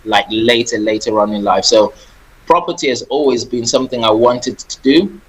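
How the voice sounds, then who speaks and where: A man's voice: medium pitch, fairly even intonation, normal speed, slightly rough, rough recording. A married man from Zimbabwe, a property investor and former engineer, talking as a guest on a radio show in a friendly, chatty way. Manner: friendly, laughing, talkative, repeats words. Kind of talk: radio interview.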